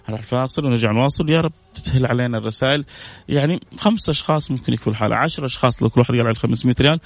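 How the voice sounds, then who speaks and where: A man's voice: medium pitch, very fast, no echo. A man hosting a radio charity call-in, making earnest pleading appeals and repeating blessings. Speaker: radio charity show host. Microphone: studio microphone.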